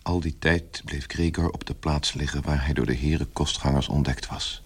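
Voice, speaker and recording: A man's voice: a bass voice, fairly even intonation, normal speed, slightly rough. A man reading scripted literary narration as the narrator of a radio play. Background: loud music.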